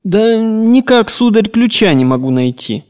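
A timid, tearful servant boy, voiced by a male audiobook reader, pitched well above a grown man's voice and slowing to small, hesitant replies. He speaks meekly and deferentially, now and then stammering, in a lively, wavering voice. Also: clear, resonant tone. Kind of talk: audiobook character reading.

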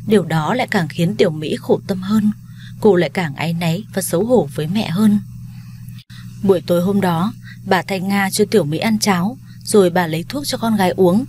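A woman narrating a family drama story in a steady, somber scripted telling. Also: lowish voice, a little hiss or hum.

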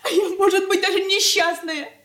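An actress playing an emotional, pleading young poor relative in a radio drama. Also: female voice, very high voice, steady tone, normal speed, a bit bright. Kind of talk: 1980s radio drama acting. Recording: roomy room.

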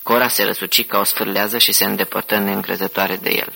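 A man narrating an audiobook in a steady, even storytelling manner. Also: lowish voice, creaky, slightly rough, rough recording.

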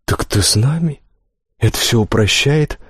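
A man's voice: mid-range voice, expressive, normal speed, a bit bright, slightly rough, no room sound, studio quality, pitched above the performer's own voice. A teasing teenage schoolgirl, as a male reader puts her on.

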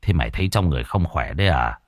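A man voicing a gruff, grumbling middle-aged father. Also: rumbling low, animated, rapid-fire, dry recording, clean studio sound, pitched below the performer's own voice, exaggerated voice.

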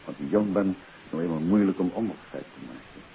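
An actor playing a composed amateur detective in a 1950s radio drama, questioning in a measured, insistent way. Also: male voice, sits low, gravelly. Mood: calm, probing. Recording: hissy old phone-like radio recording.

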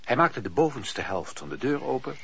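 A man playing the storyteller of a radio drama, giving measured literary narration. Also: medium pitch, very animated, vocal fry, fairly bright tone, slight background noise. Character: male storyteller narrating a period novel. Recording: dull old radio recording.

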